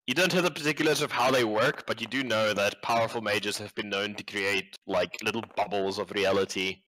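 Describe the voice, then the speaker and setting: Bright-voiced man running a tabletop game. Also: lowish voice, fairly even intonation, rough recording. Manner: casual, filler-heavy narration with quick asides. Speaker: game master.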